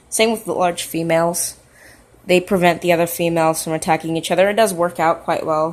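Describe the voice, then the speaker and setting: Quiet and monotone, a woman speaks with flat intonation at a fairly low pitch. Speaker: betta fish breeder. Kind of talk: casual vlog. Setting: home kitchen. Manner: quiet, trying to be quiet; rambling, halting.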